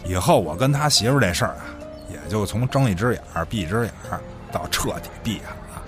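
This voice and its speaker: A man's voice: lowish voice, lively intonation, quick pace, over music, close to an everyday voice. A man playing a shady, domineering village boss in an audio drama, talking in a calculating, condescending, colloquial way. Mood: scheming. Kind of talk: Chinese audio drama acting.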